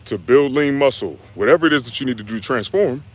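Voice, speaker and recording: A young man from the United States, a fitness coach answering viewers' questions on a live stream in a relaxed, slangy way. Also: mid-range voice, fast talker. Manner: laid-back, slangy, talks straight to viewers with "y'all" and "man". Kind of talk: live stream Q&A, reading chat comments.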